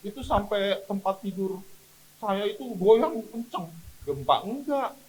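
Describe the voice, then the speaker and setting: High-voiced man preaching emphatically. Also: big pitch swings, measured pace, a little mellow, slight background noise, poor audio. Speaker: pastor. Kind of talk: sermon. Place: church service.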